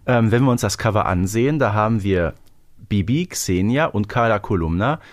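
A man's voice: fairly low pitch, animated, moderate pace, no room sound, clean studio sound. A man, talking conversationally as a podcast co-host reviewing audio dramas.

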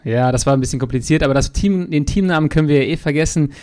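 A man's voice: on the high side, quick pace, darkish tone. A man hosting a podcast interview, chatty and joking, telling long anecdotes. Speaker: podcast host. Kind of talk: casual interview.

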